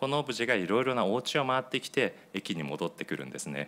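A man's voice with very wide pitch swings. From Japan. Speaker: nonprofit director; presenter. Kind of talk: conference presentation. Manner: formal. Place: stage. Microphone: podium.

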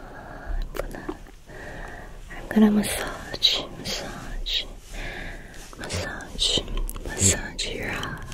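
A woman whispers in a soothing tone over noticeable background noise. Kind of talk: soft-spoken role-play talk to the viewer. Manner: slow soothing ASMR whisper. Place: home room. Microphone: studio mic.

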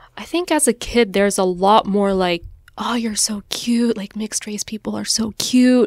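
The sound is dry and close, without any echo. It carries a normal speaking voice at a moderate pace, with ordinary pitch variation. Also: woman, fairly high pitch for a woman. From Japan. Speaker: news reporter. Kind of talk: casual discussion.

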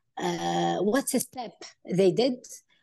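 A woman speaks with a dark, mellow tone and vocal fry. The background is quiet. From Tunisia. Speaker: traveller, gymnastics coach; podcast guest. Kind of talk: podcast interview. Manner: frequent English code-switching; halting, many restarts. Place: home room. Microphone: earbuds.

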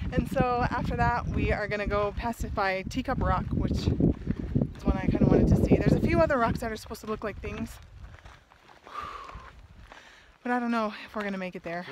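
A woman at a fairly quick pace over loud background noise. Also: dry sound with no echo. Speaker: hiker vlogger. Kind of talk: casual vlog chat. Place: open country. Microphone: phone near.

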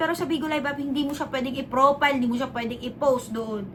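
A woman speaks in an animated tone at a fairly quick pace. Noticeable background noise is present. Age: 30s. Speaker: vlogger and livestream agency manager. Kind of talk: vlog tutorial.

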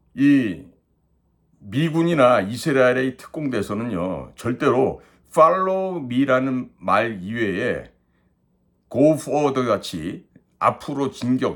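Very slow, lively intonation from a man at medium pitch, in a very clean recording with a silent background. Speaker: YouTube political commentator, former intelligence officer. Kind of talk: political commentary monologue. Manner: animated, indignant.

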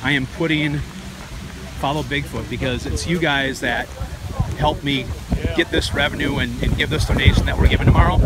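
A man at a fairly quick pace, dry sound with no echo, over loud background noise. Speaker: hiking vlogger. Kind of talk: casual vlog chat. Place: street. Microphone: phone near.

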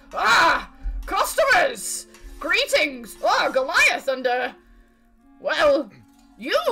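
A put-on character voice, extremely high in pitch, speaks at a very slow pace. Faint music plays in the background. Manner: greeting customers cheerfully.

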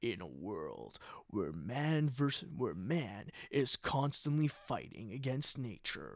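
Using a put-on character voice with a dramatic tone, a man speaks at a very slow pace and medium pitch, with long, frequent pauses. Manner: dramatic, epic.

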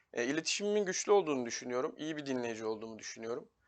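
Very fast talking from a man, with ordinary pitch variation. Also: quiet background. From Istanbul, Turkey. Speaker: SAP consultant. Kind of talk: interview. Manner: hesitant with frequent fillers.

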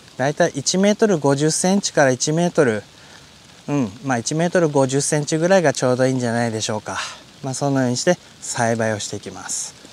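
The voice moves at a very fast pace with lively intonation over noticeable background noise. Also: man, fairly high pitch for a man. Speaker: farm owner and vegetable growing instructor. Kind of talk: gardening tutorial talk to camera. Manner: polite, formal.

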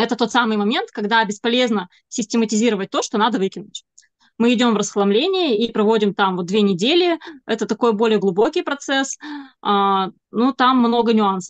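A woman speaks at a fairly high pitch and fairly quick pace with ordinary pitch variation, the sound dry with no echo against a quiet background. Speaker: decluttering coach and marathon host; decluttering coach, marathon host. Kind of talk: interview. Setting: video call. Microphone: webcam.

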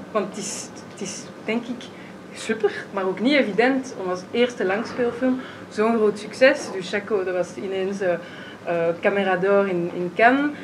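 Over noticeable background noise, a woman speaks at a very slow pace with ordinary pitch variation. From Brussels, Belgium. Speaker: moderator, film director. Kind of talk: panel discussion. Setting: stage with audience. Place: hall.

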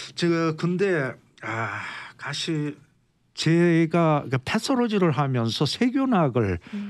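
Over a quiet background, a man speaks at a very slow pace in a high pitch. His pitch swings very widely. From Korea. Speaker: Korean medicine doctor; guest. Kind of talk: health talk show interview. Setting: studio. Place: studio. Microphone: studio mic.

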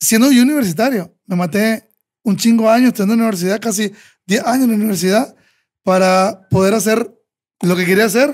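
A man's high-pitched voice at a fairly quick pace, with ordinary pitch variation and a quiet background. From Nicaragua. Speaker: rock band singer; podcast guest. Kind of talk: casual chat. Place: studio. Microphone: studio mic.

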